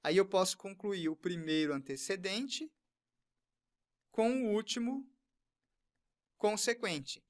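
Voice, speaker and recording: A man teaching an online lesson, working through each step methodically and repeating key phrases slowly. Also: high-pitched. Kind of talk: recorded online lesson, explaining on screen.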